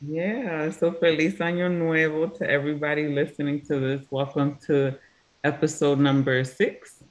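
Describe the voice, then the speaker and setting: A woman's voice: low voice, flat delivery, moderate pace, rough recording. An American woman hosting a podcast, talking in a reflective, conversational way with some fillers. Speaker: podcast host. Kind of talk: casual interview chat.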